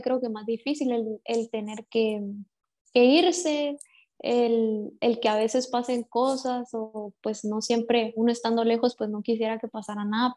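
Mellow-voiced Guatemalan woman. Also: on the high side. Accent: Guatemalan Spanish. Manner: measured, frequent restarts and fillers. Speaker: professional footballer, interview guest. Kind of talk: reflective interview answers.

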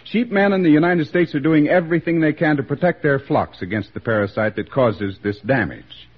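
Husky-toned man reading a 1940s radio commercial. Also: on the high side. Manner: measured, formal, explanatory. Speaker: sponsor's spokesman. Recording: muffled 1940s radio broadcast.

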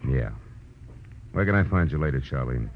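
An actor playing a wry, hard-boiled private detective in a 1940s radio drama, dry, laconic and unflappable. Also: male voice, rumbling low, expressive, normal speed, slight background noise. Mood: probing, wry. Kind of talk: 1940s radio acting, noir first-person narration and dialogue. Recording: dull old radio recording with music.

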